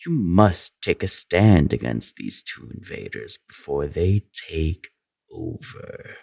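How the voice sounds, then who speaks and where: A scheming royal advisor in a fantasy audio drama. His voice is low and gravelly, swooping theatrically as he flatters and insinuates. He takes his time, sly and manipulative, in a close, dry sound. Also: no echo, full character voice. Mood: insinuating. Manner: insinuating, obsequious, drawn-out delivery.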